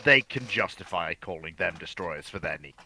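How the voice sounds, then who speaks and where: Bright, forceful man in casual discussion. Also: low-pitched, lively intonation, normal speed, gravelly, breathy edge. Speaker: panel co-commentator.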